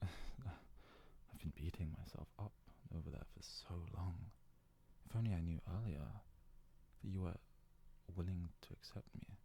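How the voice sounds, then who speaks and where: Playing a yandere fox-boy servant who is devoted yet full of self-loathing, this man speaks in a tender, confessing mood for an intimate ASMR roleplay. He sounds hesitant and deferential, his soft, breathy, gravelly voice sitting low with a slight hiss or hum.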